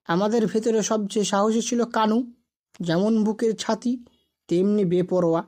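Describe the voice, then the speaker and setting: A woman's voice: medium pitch, steady tone, unhurried, mellow. A woman reading a scripted ghost story as a storyteller.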